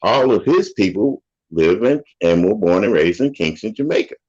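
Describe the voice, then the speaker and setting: A man's voice: lowish voice, animated, normal speed, a little mellow. An older man in casual conversation, an opinionated, rambling storyteller from the United States. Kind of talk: casual chat. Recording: dull lo-fi audio.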